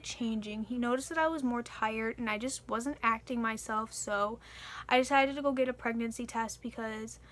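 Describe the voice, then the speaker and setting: A woman's voice: on the high side, fairly bright tone. A young woman answering viewer questions in a casual, earnest vlog, with lots of filler words. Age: young adult. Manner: chatty and earnest, frequent likes and fillers. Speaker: vlogger.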